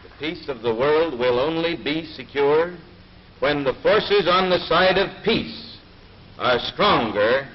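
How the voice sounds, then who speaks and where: A man delivering a measured, solemn formal speech, heard in an old 1940s newsreel recording. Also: on the high side, expressive. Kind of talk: formal oratory. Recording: muffled hissy 1940s newsreel sound.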